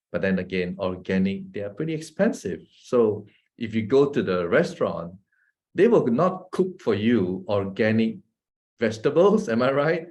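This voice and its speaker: A Malaysian presenter with a Malaysian English accent gives a casual, chatty talk to an audience, often asking "right?" and laughing between points. His voice is fairly low in pitch and a little mellow.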